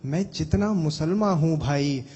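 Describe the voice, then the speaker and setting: A man reciting a poem in a rhythmic, measured way. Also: a little high, warm tone, husky, in a large hall, muffled recording. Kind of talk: poetry recitation.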